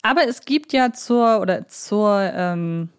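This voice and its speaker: A woman's voice: medium pitch, lively intonation, measured pace, clear, resonant tone. A woman co-hosting a fan podcast in a casual discussion, talking conversationally and thinking aloud as she goes. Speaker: podcast co-host.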